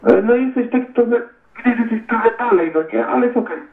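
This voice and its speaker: A man's voice: very high-pitched, quick pace, vocal fry. A man answering a casual test call, heard through a Bluetooth speakerphone with short, offhand replies. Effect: phone call played through a Bluetooth speakerphone. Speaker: friend called for a test. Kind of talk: casual phone chat. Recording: tinny echoey speakerphone line.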